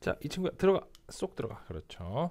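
A man speaks with a somewhat breathy voice and very wide pitch swings. Light background noise can be heard. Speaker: music gear show host. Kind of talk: product review chat. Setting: studio. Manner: animated. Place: studio. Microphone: headset.

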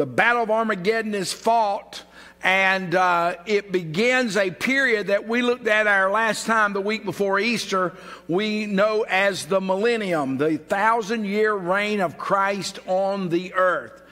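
Projecting his raised voice, a man speaks fairly slowly with ordinary pitch variation. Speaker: pastor. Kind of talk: sermon. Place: church.

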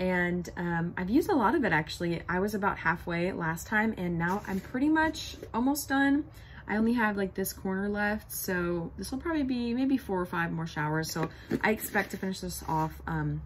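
A somewhat breathy woman's voice with lively intonation, over light background noise. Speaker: beauty vlogger. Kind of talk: casual vlog chat about product use. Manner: fast talker. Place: home room. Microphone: webcam.

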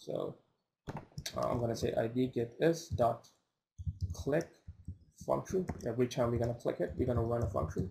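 With vocal fry and a dark, mellow tone, a man speaks with long, frequent pauses. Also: medium pitch for a man, lively intonation, moderate pace. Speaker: web development tutorial maker. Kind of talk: coding tutorial.

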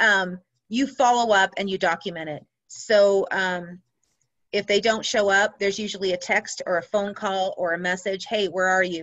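Against a quiet background, a woman speaks at a moderate pace and a medium pitch, with fairly even intonation. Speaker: special education teacher. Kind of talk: webinar presentation. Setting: video call. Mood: friendly, explanatory. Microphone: video call.

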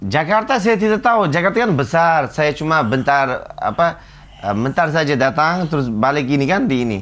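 A fairly high-pitched man swings his pitch very widely while keeping his loudness very even. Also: moderate pace. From Uzbekistan. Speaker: expat guest; talk show guest. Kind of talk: casual chat; interview answer. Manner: halting. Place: studio. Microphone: lapel.

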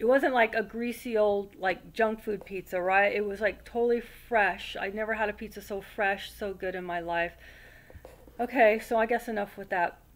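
Fairly even intonation and a moderate pace from a woman. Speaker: vlogger. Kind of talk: casual vlog chat. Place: home room. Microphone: webcam.

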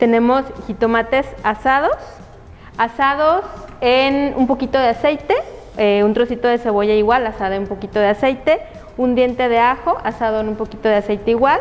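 With music in the background, the voice moves at a moderate pace with ordinary pitch variation. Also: woman, high pitch for a woman. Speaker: cooking instructor. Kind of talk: tutorial. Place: kitchen.

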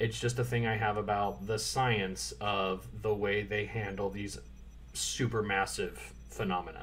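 Against light background noise, a man with vocal fry speaks at a fairly slow pace in a fairly low voice with lively intonation. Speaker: podcast host. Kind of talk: casual chat. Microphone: earbuds.

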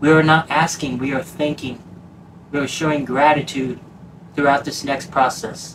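A man talks at a fairly high pitch against noticeable background noise. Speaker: yoga instructor. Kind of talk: guided yoga class with cues. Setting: video class. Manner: calm, rhythmic, soothing cueing; encouraging, warm. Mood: calm, spiritual, encouraging. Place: home room. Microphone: camera far.

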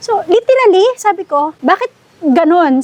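A woman's pitch swings very widely while noticeable background noise carries on. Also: dry, close sound with no echo. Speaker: founder of a tree-planting organization. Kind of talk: interview. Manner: halting, slight stutter since accident.

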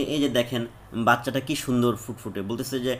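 An unremarkable speaking voice over light background noise. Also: man. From Bangladesh. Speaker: vlogger. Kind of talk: casual vlog narration; casual vlog chat. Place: street. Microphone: phone near.

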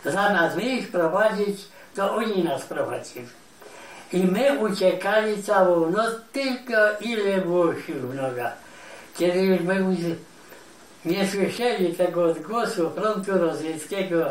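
Audible room echo surrounds a man with a high pitch. He speaks at a very slow pace with ordinary pitch variation. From Cieszyn Silesia, Poland/Czech border (Zaolzie). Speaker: elderly churchgoer telling his life story. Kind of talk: testimony. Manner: halting. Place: home room. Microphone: handheld.

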